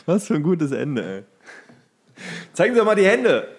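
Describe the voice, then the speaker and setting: A man's voice: fairly high pitch, very animated, normal speed, breathy edge. A man co-hosting a podcast, chatting casually and colloquially in a jokey, teasing way. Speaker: podcast co-host and actor. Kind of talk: casual comedic podcast chat.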